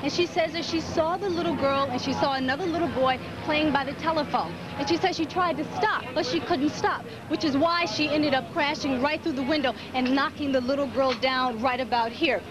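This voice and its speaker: A woman's voice: sits high, fairly quick, hardly any pauses, music in the background, low-quality recording. A woman with an American accent giving an emphatic, explanatory live-style television report from outdoors at the scene. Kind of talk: unscripted on-scene news report.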